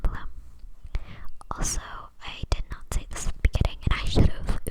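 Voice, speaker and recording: Whispering amid noticeable background noise, a man speaks with long, frequent pauses. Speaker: ASMR creator. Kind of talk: casual talk to camera. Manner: whispered.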